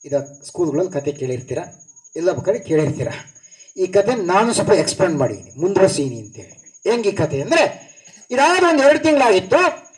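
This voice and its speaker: High-voiced man giving a devotional discourse. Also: brisk, distant mic, rough recording. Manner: animated, storytelling with acted voices. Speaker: speaker at a discourse series. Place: hall at a public function.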